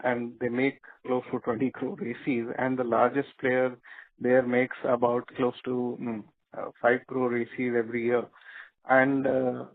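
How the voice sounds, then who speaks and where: A company executive answering an analyst's question at a measured pace, with many fillers and restarts. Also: male voice, medium pitch, dry recording. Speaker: company executive on earnings call. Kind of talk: earnings call answer. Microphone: conference call phone line. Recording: dry tinny phone line.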